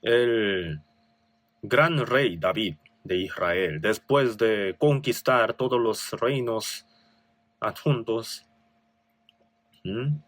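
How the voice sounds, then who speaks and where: A man's voice: on the low side, very slow, pauses often, fairly bright tone, no room sound. A male pastor with a Korean accent preaching a sermon, reading scripture with rising emphasis and asking rhetorical questions.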